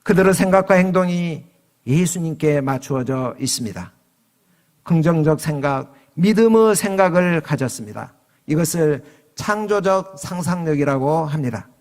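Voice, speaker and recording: A man's voice: a little high, lively intonation, normal speed, darkish tone. A man preaching a sermon as pastor, switching into raised voices for quoted lines. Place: church sanctuary. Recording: long reverb of a church hall.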